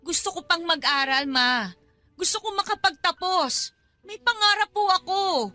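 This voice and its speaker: Earnest young daughter, piercingly high. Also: female voice, animated, moderate pace, pushed and bright, dry recording, full character voice. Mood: earnest, pleading. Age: young adult. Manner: emotional, earnest, protesting. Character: principled, upset young student daughter, earnest and defiant. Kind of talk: Tagalog radio drama acting. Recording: background music under dialogue.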